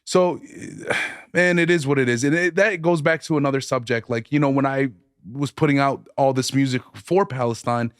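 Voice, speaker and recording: A man's voice: mid-range voice, clean tone, no room sound, studio quality. A man from the United States, speaking passionately as a guest musician in a casual podcast conversation and stressing his key points. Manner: passionate, drawn-out emphasis, says "dog" and "man".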